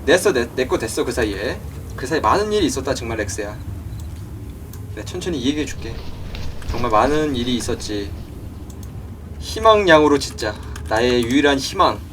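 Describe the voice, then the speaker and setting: Excitable young man gaming on stream. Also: medium pitch, moderate pace, pauses often, slight background noise. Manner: excitable, talks to game creatures, yelps when startled. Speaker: gaming YouTuber. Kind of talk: let's play commentary.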